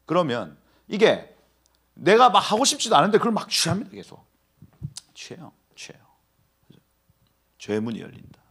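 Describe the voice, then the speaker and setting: Animated man preaching a lively sermon. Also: high-pitched, fairly quick, husky. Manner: animated, acts out voices with bursts of laughter and whispers. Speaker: pastor. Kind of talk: expository sermon.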